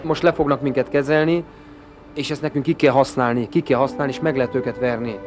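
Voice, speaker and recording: A man's voice: medium pitch, fairly even intonation, music in the background. A man with a Hungarian accent speaking emphatically and urgently, repeating himself in a football interview.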